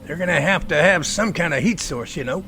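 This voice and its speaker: A man's voice: fairly high pitch, bright, forceful tone, a little hiss or hum. A man playing an earnest, folksy, inquisitive professor in an amateur audio drama, with colloquial turns of phrase. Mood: curious. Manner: folksy, colloquial, drawn-out remarks.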